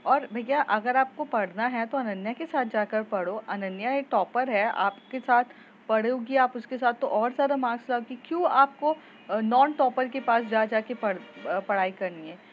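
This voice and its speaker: A woman's voice: on the high side, moderate pace, highs cut off, slight background noise, natural voice. A woman voicing a strict middle-aged mother who scolds her daughter with pushy questions in a told story. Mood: scolding.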